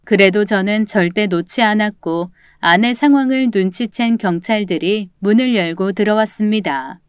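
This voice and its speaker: A woman's voice: mid-range voice, normal speed, smooth, no echo. A woman telling a first-person story in a scripted, earnest narration, close to the mic.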